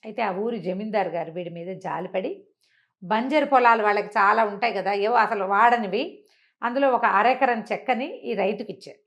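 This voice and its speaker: A woman's voice: medium pitch, moderate pace, fairly bright tone. A woman telling a folk story informally, in a conversational way with explanatory asides and rhetorical questions.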